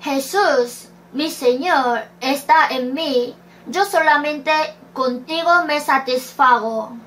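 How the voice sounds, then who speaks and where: A woman's voice: high-pitched, takes it slowly, fairly bright tone. A woman preaching a sermon, reading scripture verses aloud and asking rhetorical questions. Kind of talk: slow sermon.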